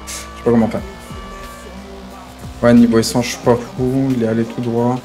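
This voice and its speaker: A man's voice: mid-range voice, level tone, normal speed, warm tone, faint music behind. A man streaming an online roleplay game, talking in casual, slangy improvised chat with frequent swearing and repeated pet phrases. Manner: repeats verbal tics, swears freely.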